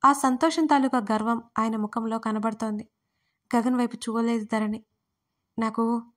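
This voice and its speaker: A woman reading a romance audio story aloud, voicing every character's lines in her own voice. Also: a little high. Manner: reads every part in her own voice, quotes lightly voiced. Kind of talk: scripted audio story narration.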